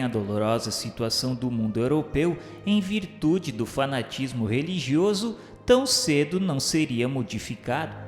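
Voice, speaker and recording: A man with a Brazilian Portuguese accent reads a religious radio drama narration in a formal, solemn, measured way. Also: medium pitch. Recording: roomy reverberant sound with music underneath. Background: music.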